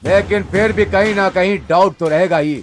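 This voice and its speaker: A man dubbing a cautious gang member in a Hindi-dubbed film, talking in a measured, reasoning way. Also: high-pitched, faint music behind, lightly acted.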